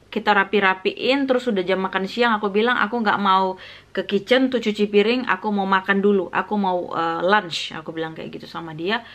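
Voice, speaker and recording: A woman's voice: mid-range voice, fairly bright tone. A woman from Indonesia telling a casual vlog story about a job, acting out the dialogue and slipping in English phrases. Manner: recounts dialogue, mixes in English phrases, frequent fillers. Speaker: vlogger.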